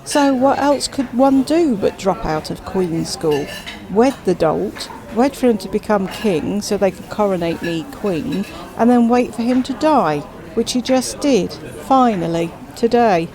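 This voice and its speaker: A woman's voice: mid-range voice, animated, measured pace, crowd noise, rough recording. A woman voicing a chatty, self-absorbed widowed queen who drawls with grand theatrical emphasis. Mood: gossipy.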